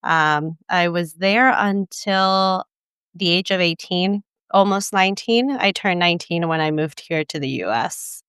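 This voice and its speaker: Attorney guest, young woman from the Dominican Republic, lower, very clear voice, dry sound. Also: a bit bright, no echo. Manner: measured, explanatory, with frequent ums. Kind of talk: interview answers.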